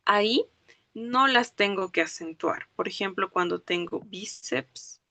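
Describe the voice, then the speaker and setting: A woman's voice: mid-range voice, measured pace, bright, forceful tone, no room sound. A woman teaching a language class, explaining rules step by step and checking that students follow. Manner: explains step by step, checks understanding with frequent questions; spells out words syllable by syllable. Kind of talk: online class lecture.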